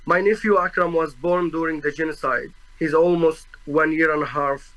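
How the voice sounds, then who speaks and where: A man in his twenties from Gaza, a native Arabic speaker with an Arabic accent, gives formal testimony before a tribunal. He speaks solemnly and earnestly, halting often to search for words and restarting his phrases. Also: on the high side, steady tone, a bit bright, low-quality recording. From Gaza, Palestine. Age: 20s.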